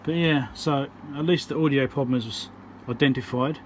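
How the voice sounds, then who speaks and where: At an indoor bench, a New Zealand man who repairs electronics casually presents what he's working on, unscripted and matter-of-fact. His voice sits in the mid range and moves at a normal speed, with slight background noise behind it.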